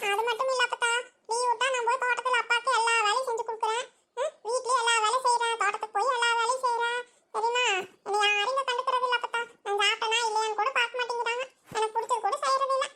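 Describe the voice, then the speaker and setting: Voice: very high voice, little pitch movement, rapid-fire, pushed and bright, a little hiss or hum. A voice actor playing a scheming teenage grandson who whines and tells tales in a comedy cartoon. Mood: whining, tattling. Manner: whiny and pleading. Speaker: cartoon character. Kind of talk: cartoon voice acting.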